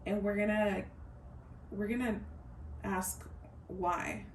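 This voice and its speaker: A woman's voice: medium pitch, fairly even intonation, slow pace, far from the mic, slight background noise. A woman giving a pick-a-card tarot reading, musing aloud, repeating her phrases and speaking straight to her viewers. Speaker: tarot reader.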